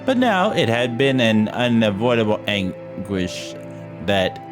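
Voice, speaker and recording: A man's voice: medium pitch, very animated, slow. A man reading a ghost story aloud from a visual novel as a streamer, dramatic but breaking into casual, profane asides and stumbling over the text. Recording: loud music behind voice. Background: game music.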